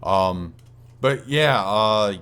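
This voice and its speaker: A man's voice: on the low side, drawn-out words, fairly bright tone, smooth. A man hosting a gaming podcast in casual conversation, talking in a hesitant, rambling way and often correcting himself mid-sentence. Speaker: podcast host.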